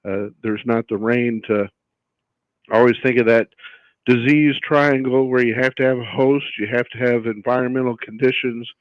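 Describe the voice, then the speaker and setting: A man of average pitch explains things as a radio guest educator. He talks haltingly, pausing mid-phrase. The sound is close, dry and slightly muffled. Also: no room sound. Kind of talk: explanatory interview talk.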